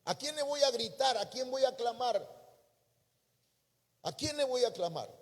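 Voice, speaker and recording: A man with a Mexican accent preaching a sermon as a pastor, breaking into sudden loud emphatic rises. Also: extremely high pitch, lively intonation, unhurried. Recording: reverberant church hall.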